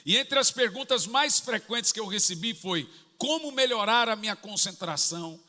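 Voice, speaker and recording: Animated Brazilian pastor, bright and echoey. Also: male voice, high voice, normal speed. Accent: Brazilian Portuguese. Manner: animated storytelling, jokey, acts out family dialogue. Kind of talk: sermon. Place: large church hall. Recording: echoey church hall.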